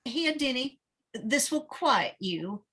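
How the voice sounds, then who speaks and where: A woman's voice: sits high, animated, slow, fairly bright tone, breathy edge, full character voice. A woman playing an anxious, pleading small-town mother in a dramatic table read. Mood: uneasy, hushed. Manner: pleading, worried.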